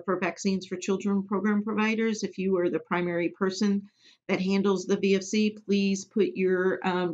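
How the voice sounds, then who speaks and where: A woman from Missouri training clinic staff in a screen-recorded software tutorial, giving plain step-by-step instructions with frequent ums. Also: mid-range voice. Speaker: immunization program trainer. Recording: dull lo-fi audio.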